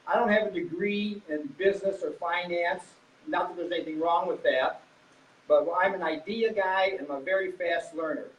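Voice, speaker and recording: An older man with a somewhat high voice talks as a council candidate, chatty and offhand with casual asides. He sounds far off in an echoey hall. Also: normal speed, lo-fi sound. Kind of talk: opening statement. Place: public meeting hall. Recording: echoey hall, distant mic, faint noise.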